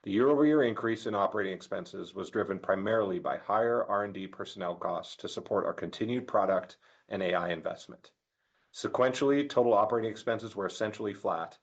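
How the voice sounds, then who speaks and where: A man reading a scripted corporate financial presentation as a finance chief, in a formal, measured manner. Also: lowish voice. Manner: formal, measured delivery of figures. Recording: dull, lo-fi conference call audio.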